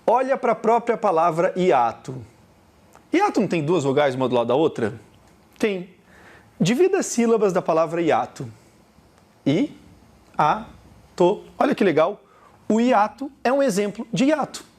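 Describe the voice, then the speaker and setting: A man's voice: high-pitched, normal speed. A middle-aged man with a Brazilian Portuguese accent teaching a recorded lesson, talking straight to the viewer. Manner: animated, talks straight to the viewer.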